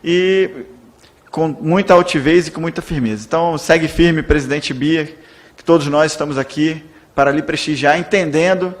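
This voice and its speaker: Formal Brazilian man addressing parliament. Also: a little high. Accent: Brazilian Portuguese. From Brazil, born in Salvador. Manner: formal, deferential, measured. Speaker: legislator. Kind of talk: parliamentary speech.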